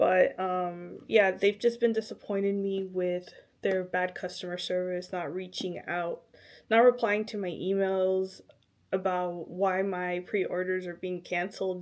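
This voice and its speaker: Speaking at a fairly slow pace, a woman keeps a monotone, flat intonation while her loudness swings widely. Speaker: beauty vlogger. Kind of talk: casual chat. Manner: halting.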